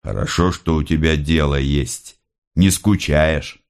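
A man voicing a gentle, restrained young son in prison, speaking softly and quietly. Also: deep voice, very animated, normal speed. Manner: soft and quiet.

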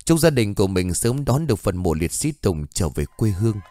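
A man's voice: fairly low pitch, sing-song, moderate pace, warm tone, a little hiss or hum. A man reading a story and voicing a woman psychic who leads a team and talks in a persuasive, exclamatory way. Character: smooth-talking woman psychic leading a team.

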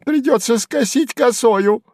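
A man voicing a shrill, mocking old hanger-on who chatters and cackles in a squeaky, sing-song voice. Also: measured pace, dry recording, studio quality. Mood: jeering. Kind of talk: audiobook character voice.

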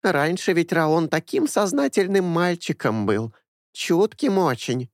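A man's voice: a little high, expressive, unhurried, no echo, clean studio sound, voice pushed up. A man voicing a talkative old woman in her sixties, a former caretaker who rambles fondly and confidingly. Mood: sorrowful.

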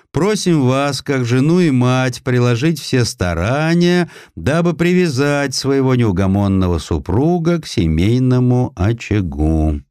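A man voicing a polite, formal police official in an audiobook, with measured, courteous delivery. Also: mid-range voice, darkish tone, clean tone, no room sound, clean studio sound, pitched above the performer's own voice.

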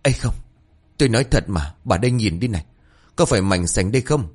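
A man's voice: on the low side, animated, quick pace, a little mellow. A man doing a grumbling old village man. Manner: grumbling, stammering excuses.

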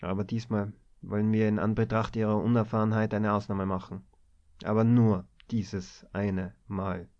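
A man playing a gruff bank director. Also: lowish voice, level tone, normal speed, a little mellow, close to an everyday voice. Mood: fatherly. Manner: curt commanding tone. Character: gruff older male bank director, stern but fatherly. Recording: dull lo-fi recording.

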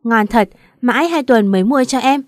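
A woman voicing a hurt, gentle young wife in a read-aloud story, sounding close and dry. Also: a little high, moderate pace, dry recording, close to an everyday voice. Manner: pleading, then confronting.

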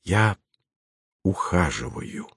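A man's voice: low voice, very animated, very slow, vocal fry, fairly bright tone, breathy edge, no room sound, studio quality, heavily acted. A man reading the part of a famous, playful starship pilot who is teasing and easily offended, in an audiobook. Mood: capricious. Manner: whimsical, teasing, lightly offended.

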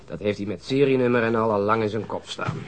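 An actor playing a melancholy, thoughtful senior police detective in a radio drama, with an understated, reflective manner. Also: male voice, fairly low pitch, fast, very noisy, close to an everyday voice. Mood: dry. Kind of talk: naturalistic Dutch radio drama acting.

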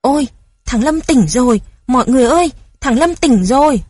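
A woman doing a high, tearful village mother. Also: lively intonation, moderate pace, breathy edge, no echo, clean studio sound. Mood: overjoyed. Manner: calling out loudly, sobbing. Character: tearful village mother calling her son.

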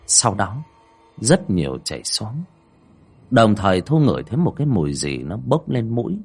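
A man narrating a ghost story in a dramatic, expressive way. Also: lowish voice, moderate pace, breathy edge. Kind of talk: scripted horror story narration.

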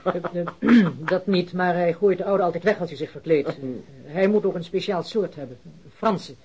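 An actor playing a nervous small-time crook turned informer in a Dutch radio drama, speaking hesitantly and carefully. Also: male voice, sits high, moderate pace, a little mellow, muffled recording. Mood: awkward, explaining.

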